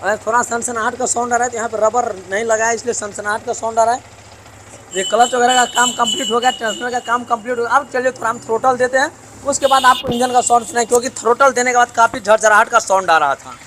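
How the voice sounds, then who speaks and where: A man's voice: very high voice, steady tone, fast, bright, forceful tone, slight background noise. A man, a motorbike mechanic explaining a repair step by step in a workshop tutorial. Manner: explains step by step, keeps pointing things out.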